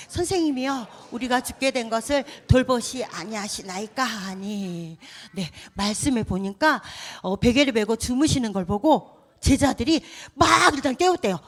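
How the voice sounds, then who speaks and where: Animated woman preaching to children. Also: fairly high pitch. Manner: animated storytelling with questions to children. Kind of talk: children's sermon. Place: church service.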